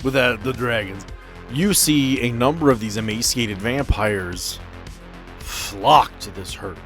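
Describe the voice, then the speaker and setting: A man's voice: mid-range voice, slow pace, a bit bright, faint music behind. A man narrating a tabletop role-playing game as game master.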